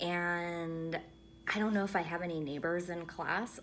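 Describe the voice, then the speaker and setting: A quiet woman's voice at a moderate pace, with audible room echo. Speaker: beauty vlogger. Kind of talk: casual product haul vlog. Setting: hotel room.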